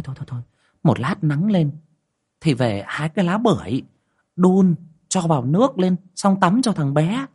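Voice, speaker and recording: A man's voice: high voice, a little mellow, breathy edge, voice pushed up, exaggerated voice. A man voicing a flustered older village wife who frets and exclaims. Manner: fussing, rapid exclamations.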